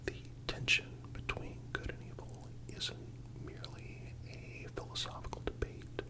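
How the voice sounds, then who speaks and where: ASMR narrator: breathy whisper throughout, unhurried pace, calm and contemplative scripted read. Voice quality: soft, breathy unvoiced whisper. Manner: soothing, measured, contemplative.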